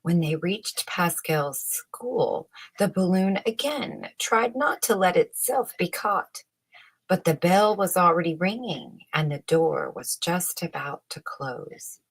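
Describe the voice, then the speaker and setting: Slow, husky woman storyteller. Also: on the low side, expressive, low-quality recording. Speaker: storyteller reading a children's book aloud. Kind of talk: scripted bedtime story narration.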